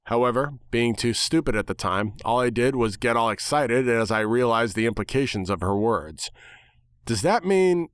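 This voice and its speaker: A man's voice: mid-range voice, normal speed, hardly any pauses, a bit bright, smooth, no echo. Man dramatically narrating, dry sound. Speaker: narrator of fan fiction. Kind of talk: dramatic story reading, first-person narration.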